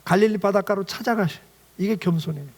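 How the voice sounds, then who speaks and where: Male pastor with a high voice, preaching a Sunday sermon from the pulpit and working the room with rhetorical questions. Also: quick pace, breathy edge. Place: church sanctuary.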